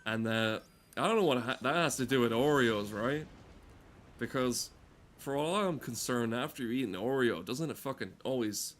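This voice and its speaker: A man's voice: mid-range voice, lively intonation, normal speed, fairly bright tone. A man giving crude, comedic, rambling commentary while playing a game, swearing often. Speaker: gamer talking over gameplay.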